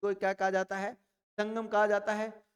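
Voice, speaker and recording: A man's voice: sits high, flat delivery, moderate pace, clear, resonant tone, big-room sound. A male teacher giving a grammar lesson, speaking straight to his students and answering his own questions. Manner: addresses students directly, repeats questions and answers them.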